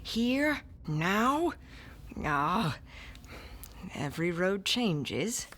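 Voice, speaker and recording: An actress narrating and playing a stern, learned woman classicist, with measured, formal, often hushed storytelling. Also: medium pitch, very animated, slight background noise. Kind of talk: audio drama narration.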